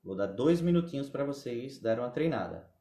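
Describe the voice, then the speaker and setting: A man's voice: medium pitch, lively intonation, fairly quick, warm tone. A man teaching music theory on a live stream, patiently explaining step by step and asking viewers questions.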